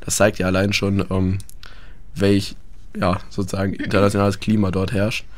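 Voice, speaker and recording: A man's voice: deep voice, flat delivery, normal speed, darkish tone. A young man chatting about life abroad, hesitant with many fillers. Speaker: guest. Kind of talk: casual radio chat.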